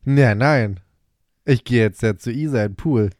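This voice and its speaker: A man's voice: medium pitch, normal speed, a little mellow, no echo, studio quality. A young man co-hosting a casual podcast, teasing and joking with slangy remarks. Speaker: podcast co-host. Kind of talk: casual chat.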